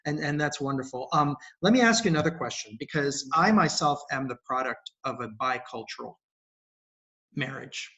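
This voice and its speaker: A man's voice: medium pitch, lively intonation, normal speed, a bit bright. A man hosting an interview show and asking enthusiastic questions on a video call, often breaking in with short agreeing sounds. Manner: frequent backchannel, enthusiastic questions. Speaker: podcast host and theatre director. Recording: slightly dull lo-fi sound.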